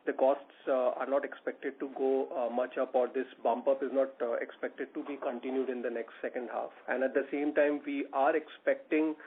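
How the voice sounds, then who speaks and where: A man with an Indian accent, a company executive answering earnings-call questions in a halting, careful way. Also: mid-range voice, level tone, a little hiss or hum. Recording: muffled tinny phone conference line.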